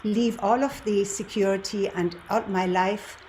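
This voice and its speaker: Woman in her seventies, German accent, native German speaker, show host, mid-pitched voice, deliberate storytelling, faint background noise. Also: fairly even intonation, darkish tone. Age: 70s. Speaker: show host, lifestyle and relationship coach. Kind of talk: presenter's introduction and personal storytelling to viewers.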